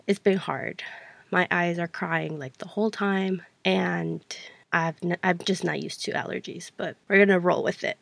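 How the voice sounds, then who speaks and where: Chatty woman with a gravelly, dry voice. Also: on the low side, dry recording. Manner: chatty, rambling, self-correcting with many fillers. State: stuffy-voiced from allergies. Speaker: podcast host. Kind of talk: casual solo podcast talk.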